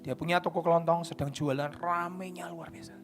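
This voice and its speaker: A man with a Javanese accent preaching a sermon at a church service. He tells stories, moving between quiet narration and loud, emphatic declarations. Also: a little high, steady tone, fairly quick, over music. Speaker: pastor. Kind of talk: sermon with storytelling.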